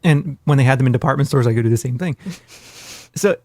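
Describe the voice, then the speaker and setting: A man's voice: mid-range voice, quick pace, dark tone, no room sound, clean studio sound. A man co-hosting a podcast in casual chat, rambling and self-deprecating with jokes. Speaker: podcast co-host.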